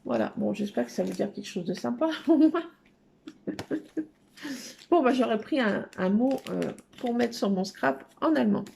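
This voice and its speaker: Expressive and warm, with a creaky, slightly high voice at a moderate pace, this middle-aged craft vlogger chats casually indoors at home about her haul. She hesitates often and leans on fillers, with slight background noise behind her.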